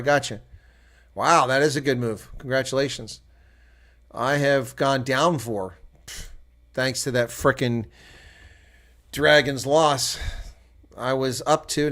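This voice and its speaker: American man, live rugby commentator, chatty with viewers, mid-pitched voice. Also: fairly bright tone. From United States. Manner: chatty, talks to viewers while calling play.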